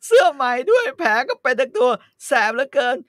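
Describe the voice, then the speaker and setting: A man doing a shrill, sobbing spoiled young woman. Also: big pitch swings, quick pace, dry recording, clean studio sound. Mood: crying furious. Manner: shrill, crying complaints.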